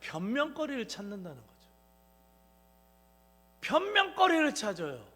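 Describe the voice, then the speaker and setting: A male pastor preaching a Sunday sermon in a church sanctuary, swinging between shouting and hushed tones. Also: very high-pitched, huge pitch swings, unhurried. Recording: reverberant church hall.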